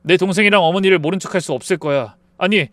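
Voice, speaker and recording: A man playing a young husband who shouts at his sister and turns heavy and resigned. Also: sits high, fast, no room sound. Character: enraged then broken husband, young man, stern.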